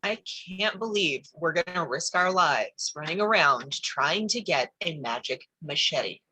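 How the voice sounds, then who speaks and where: A woman acts out a blunt, skeptical teenage girl in a horror comedy. She is husky and sharp-toned, unhurried in her sarcasm. The sound is close and dry. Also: sits low, animated, dry recording, heavily acted, low-quality recording. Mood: exasperated. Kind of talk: table read of a horror comedy film script.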